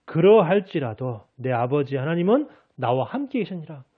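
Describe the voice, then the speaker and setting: A man's voice: fairly high pitch, very animated, normal speed, slightly rough. A male pastor preaching a Sunday sermon earnestly, raising his voice as he speaks God's promises. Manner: earnest preaching, acts out God's words in a raised voice. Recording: phone-like narrow sound.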